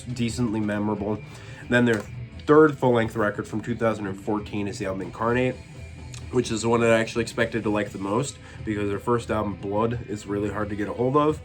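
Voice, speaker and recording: A man casually reviewing albums from his collection, relaxed and rambling with plenty of fillers. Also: on the low side. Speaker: metal collection vlogger.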